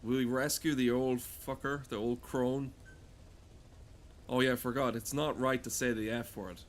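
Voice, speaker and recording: A man rambles through crude comedic game commentary in a mid-pitched voice. He swears freely and talks in a loose, wandering way, with some background noise behind him. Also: level tone, normal speed. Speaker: gamer talking over gameplay.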